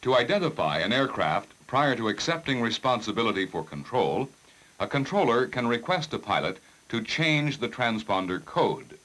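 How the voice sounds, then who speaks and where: A man reading scripted technical narration for a 1960s instructional film in a formal, measured, precise manner. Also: mid-range voice, sing-song, a bit bright.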